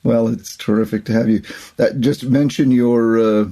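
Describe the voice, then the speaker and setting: A man's voice: medium pitch, fairly even intonation, normal speed, mellow. An older man hosting a podcast interview, introducing his guest with effusive enthusiasm and asking questions. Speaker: podcast host.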